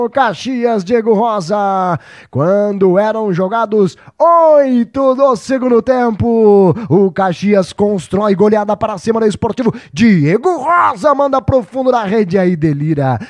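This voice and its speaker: Shouting at a very slow pace, a man with a high pitch keeps his loudness very even and his intonation lively over a quiet background. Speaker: radio sports commentator. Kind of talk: live football commentary, play-by-play. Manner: animated, excitable, shouting goal calls.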